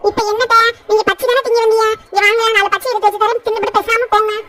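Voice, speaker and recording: A defiant young village wife from a cartoon, voiced by an actor, high and bright in tone. She fires back at her mother-in-law with quick, indignant retorts in rural speech. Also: level tone. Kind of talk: cartoon voice acting.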